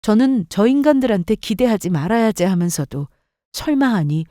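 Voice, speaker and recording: A woman's voice: medium pitch, big pitch swings, moderate pace, dark tone, dry recording, clean studio sound. A woman narrating a first-person story with bitter, resentful telling, in scripted radio style.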